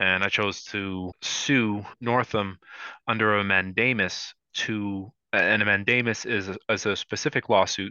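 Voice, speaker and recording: An unremarkable speaking voice from a man, fairly low in pitch, with fairly even intonation and a fairly slow pace. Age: 40s. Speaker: guest researcher. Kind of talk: interview.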